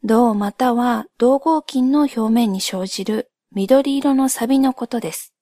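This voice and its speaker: A woman speaking softly in a gentle, polite and measured way, as in a calm ASMR-like explanatory monologue by a solo host. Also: on the high side, no room sound, clean studio sound. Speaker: host of a solo spoken channel.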